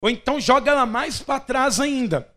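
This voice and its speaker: High-voiced pastor preaching. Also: male voice, normal speed, bright, forceful tone. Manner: emphatic, dramatic preaching. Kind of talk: sermon.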